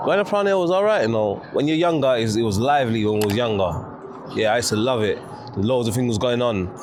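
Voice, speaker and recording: In a South London accent, a man talks with ordinary pitch variation amid audible room echo and music in the background. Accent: south London, multicultural London English. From London, Brixton. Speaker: rapper. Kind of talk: casual interview on a walking tour.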